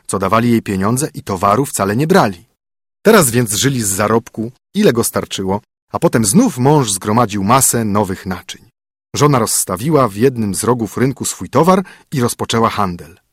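A man reads a fairy tale aloud at a steady, measured pace. His mid-pitched voice is husky, recorded close and dry with no room sound. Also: dry recording. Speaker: narrator.

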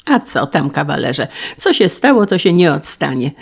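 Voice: medium pitch, sing-song, moderate pace, gravelly, slightly rough, exaggerated voice. A narrator voicing a jovial middle-aged carriage manufacturer who asks hearty, teasing questions in an audiobook. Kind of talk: audiobook character reading.

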